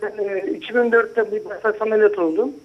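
A man's voice: high-pitched, fairly even intonation, brisk. A man calling in to a show over a landline phone, politely asking a question and checking that he can be heard. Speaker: caller. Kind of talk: call-in question. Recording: muffled phone line.

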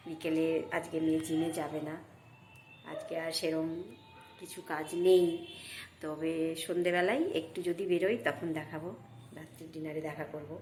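A middle-aged woman chatting casually to her viewers from her bedroom at home, speaking softly and warmly. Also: fairly even intonation, normal speed, pauses often, reverberant, slight background noise. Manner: soft, low-key talk to viewers, bright and playful with her daughter. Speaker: vlogger. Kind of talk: casual vlog chat.

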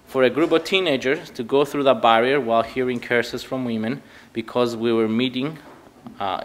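A party speaker in his thirties from Cyprus, a native Greek speaker with a Cypriot accent, gives a prepared political speech at a commemoration event. His medium-pitched, slightly bright voice is earnest and measured, stressing key words.

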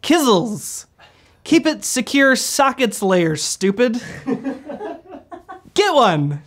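A man's voice: very high voice, very animated, drawn-out words, a bit bright. An American man in his thirties presenting a scripted comedic explainer in a goofy, playful manner. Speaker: host. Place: indoor green-screen studio.

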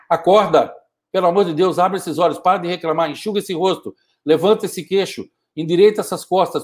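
A man in his fifties giving a forceful, scolding motivational talk on a live stream, using an earphone mic in a small home studio. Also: high-pitched. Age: 50s. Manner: forceful, scolding, gestures a lot. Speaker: motivational speaker. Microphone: wired earphone mic, webcam framing.

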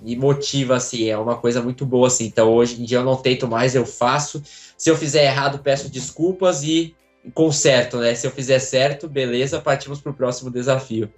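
A man's voice: medium pitch, fairly even intonation, a little fast, faint music behind. A man in his twenties with a Brazilian accent, chatting earnestly as an interview guest over a video call from a room at home. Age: 20s. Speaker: interview guest, aspiring voice actor. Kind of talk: casual chat. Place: small plain room at home. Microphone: phone on a video call. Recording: roomy, echoey video-call audio.

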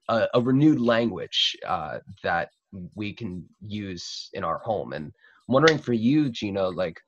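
A young man hosting a casual roundtable chat over a video call, talking informally and haltingly. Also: lowish voice, muffled recording. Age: young adult. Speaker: host. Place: small cluttered room at home. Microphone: computer mic on a video call.

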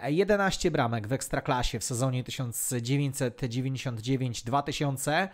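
A man with a medium-pitched voice hosts a sports podcast. He narrates facts and dates in a semi-scripted, orderly style. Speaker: podcast host.

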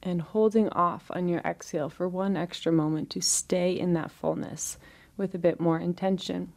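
A woman leading a guided relaxation, giving soft, unhurried instructions in a gentle, soothing manner with frequent pauses between phrases. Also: fairly low pitch, fairly even intonation, creaky.

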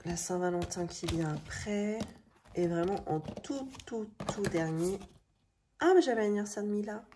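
A woman in her thirties with a French accent chats casually, thinking aloud in colloquial speech with a slightly rough morning voice. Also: mid-range voice, normal speed. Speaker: budgeting video host. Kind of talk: casual chatty vlog narration. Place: indoors at a table. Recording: noisy home recording with clicks.

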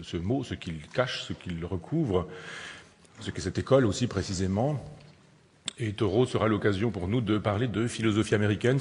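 A man delivers a public lecture in a low, husky voice, stopping often on fillers and restarting his sentences as he thinks aloud. His voice carries the long reverb of a lecture hall. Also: a little mellow. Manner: hesitant, full of "euh" fillers and restarts.

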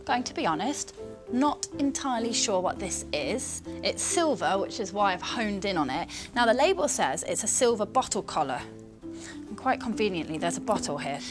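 A woman's voice: mid-range voice, very animated, moderate pace, over music. A young woman, an antiques expert, musing aloud and chatting casually in a shop. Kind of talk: casual on-camera talk.

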